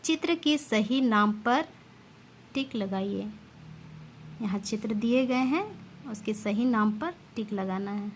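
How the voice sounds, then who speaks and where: A woman teacher reading a children's lesson aloud, sounding out each word slowly and clearly for young pupils. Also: mid-range voice, slight background noise. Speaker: school teacher.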